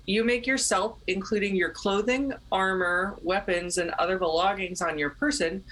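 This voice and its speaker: Low-voiced woman at a game table. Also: fairly bright tone, rough recording. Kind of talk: casual game-table chat.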